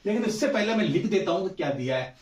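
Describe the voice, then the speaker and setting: A man's voice: high-pitched, animated, quick pace, darkish tone. A man teaching a maths lesson, explaining each step and often checking that students follow. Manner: explains step by step, asks "समझ में आई बात?". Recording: echoey room, voice from a distance.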